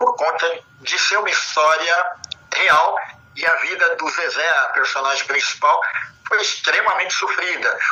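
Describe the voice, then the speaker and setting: Long, frequent pauses break up this man's speech. He goes at a fairly slow pace amid noticeable background noise. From Brazil, São Paulo city. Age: 60s. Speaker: writer. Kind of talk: interview. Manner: halting, many fillers and repetitions.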